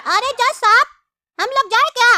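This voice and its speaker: A woman voicing a fawning male witness in a cartoon, squeaky and whining. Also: normal speed, sharp tone, exaggerated voice.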